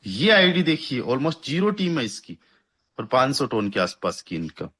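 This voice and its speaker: A young man delivers a persuasive network marketing pitch, hyping income figures and repeating numbers for emphasis. His voice sits in a middle range and he keeps addressing listeners as friends. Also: very animated, moderate pace, fairly bright tone, husky.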